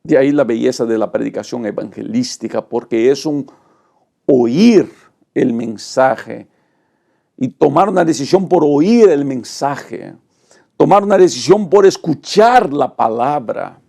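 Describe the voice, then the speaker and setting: A man's voice: mid-range voice, animated, a little slow, vocal fry, dark tone. A middle-aged male pastor, teaching a Bible study lesson with dramatic, emphatic delivery and rhetorical lists.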